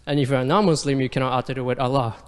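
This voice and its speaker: A man from Malaysia stands in the audience and puts an earnest, direct question to the speaker. His voice is at a middle pitch. The long reverb of the hall carries it. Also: steady tone, rapid-fire, clean tone. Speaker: audience member asking a question. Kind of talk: question from the floor. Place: lecture hall.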